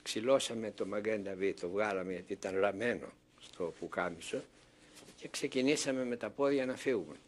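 An older man from Thessaloniki giving an oral history testimony as an interviewee, telling his story and acting out remembered conversations. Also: on the low side. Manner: storytelling that acts out remembered dialogue.

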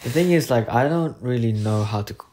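A man's voice: medium pitch, lively intonation, a little fast, mellow. A young man co-hosting a podcast, chatting casually and rambling with lots of fillers and restarts while he jokes. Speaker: podcast co-host. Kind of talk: casual chat.

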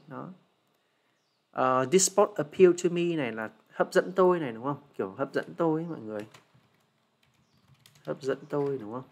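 A young man with a Vietnamese accent, teaching English on a livestream, who switches between slow, careful model answers and chatty, teasing asides. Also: medium pitch. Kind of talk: livestream lesson.

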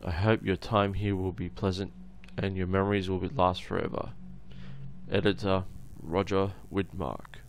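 A man with an Australian accent reading aloud as a welcoming tourist brochure writer in a measured, presentational voice, on a noisy home recording. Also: sits low, level tone, vocal fry. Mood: inviting, serene. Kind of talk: read-aloud scripted narration.

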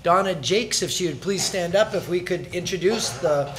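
A middle-aged man chairing a council meeting as mayor, brisk and chatty with joking asides, speaking into a desk microphone in a large chamber. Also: high voice, animated, noisy background. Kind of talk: formal council meeting announcements.

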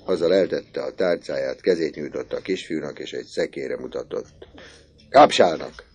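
A man reading a classic novel aloud as an audiobook narrator, measured and expressive. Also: very deep voice, slightly rough.

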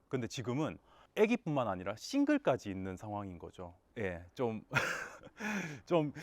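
A man in his late thirties with a mid-pitched, highly animated voice. He speaks politely and formally with some halting, as a dating show contestant in conversation and in interview remarks. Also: no room sound. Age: late 30s. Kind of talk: casual chat and confessional remarks to camera.

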